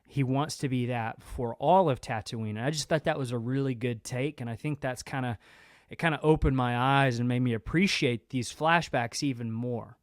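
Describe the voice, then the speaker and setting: A man's voice: mid-range voice, normal speed, no room sound, studio quality. A man hosting a podcast, talking casually and earnestly in informal, rambling explanations. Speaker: podcast host.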